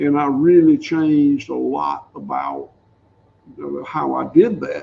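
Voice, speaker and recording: A man speaks with a Southern US accent. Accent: Southern US (Georgia). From US South, southwest Georgia. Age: 60s. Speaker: farmer. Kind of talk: interview.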